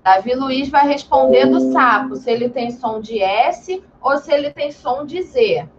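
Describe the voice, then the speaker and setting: A woman's voice: high-pitched, lively intonation. Patient woman teacher on a video call. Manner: patient, slow and encouraging, calls herself "tia". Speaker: primary school teacher. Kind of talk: online class for young children. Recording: lo-fi video call audio with faint noise.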